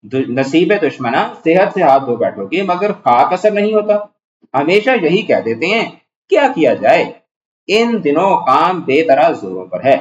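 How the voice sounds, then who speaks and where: A man's voice: on the high side, very animated. A man voicing a fussy, bossy middle-aged wife as he reads a play aloud in class, in a chiding, fretful manner. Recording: echoey room, dull lo-fi sound.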